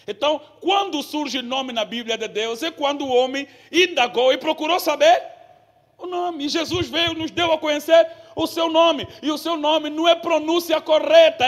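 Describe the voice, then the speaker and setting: Male pastor, high bright voice, Bible study sermon that swings from casual talk to fiery preaching. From Angola. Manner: conversational teaching that builds to forceful preaching, with rhetorical questions.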